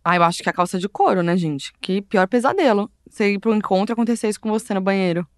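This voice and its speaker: A woman's voice: medium pitch, very fast, no echo, studio quality. A woman co-hosting a casual chat, reading quiz questions and laughing easily. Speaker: podcast co-host.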